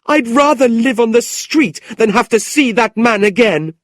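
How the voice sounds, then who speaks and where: A man voicing a proud, indignant young woman who speaks high and slow. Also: lively intonation, no echo, clean studio sound. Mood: outraged.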